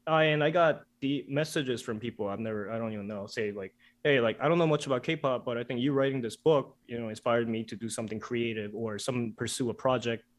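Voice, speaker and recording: A man whose first language is Korean, talking as a guest author in a casual interview, relaxed and chatty with many fillers. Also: mid-range voice, a little fast, few pauses. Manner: relaxed, chatty, frequent "like" and "you know" fillers, laughs easily.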